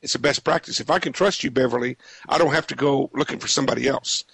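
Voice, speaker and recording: Raspy, gravelly man hosting radio. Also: medium pitch, fast, fairly bright tone, dry recording. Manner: folksy, stumbles and repeats words. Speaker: radio show host. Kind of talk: casual radio talk show.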